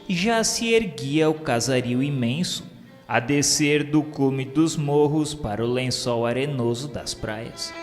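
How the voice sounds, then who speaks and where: A Brazilian man narrates a radio serial with solemn, declamatory formality. His pitch is average and his pace is slow and measured. The voice rings with long reverb over clearly audible instrumental music. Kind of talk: solemn scripted audiobook-like narration of a literary text.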